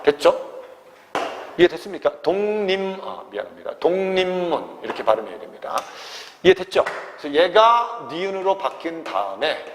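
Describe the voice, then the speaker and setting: The recording has a big-room sound and a noisy background as a man with a fairly high-pitched voice teaches Korean exam grammar. Constantly checking that his students have understood, he refers to himself in the third person as "teacher."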